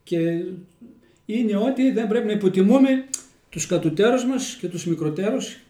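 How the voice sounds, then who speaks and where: A man's voice: high voice, expressive, mellow. A man with a Kozani accent telling folk tales in a homely, folksy way, often restarting his sentences. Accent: Kozani Greek dialect. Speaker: storyteller interviewee. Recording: roomy echoey room.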